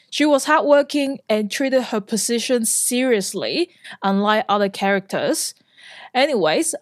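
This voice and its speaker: A woman's voice: on the high side, no room sound, clean studio sound. A woman from Hong Kong, a flight instructor, narrating a scripted vlog in an earnest, enthusiastic way.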